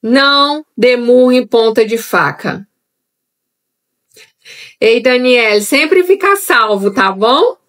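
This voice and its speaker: Woman, young adult, Bible teacher, live-stream study, conversational, fairly high voice. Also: lively intonation, slow, long pauses, fairly bright tone. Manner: conversational, talks directly to viewers.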